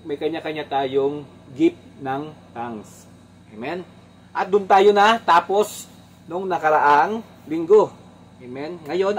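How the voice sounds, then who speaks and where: A Filipino man preaching a sermon in a slightly high voice. He teaches point by point, mixing in English phrases, rising on each new point and dropping low on asides. Faint room hum sits behind him. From Philippines. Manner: mixes English phrases into his talk and often asks the congregation "Amen?".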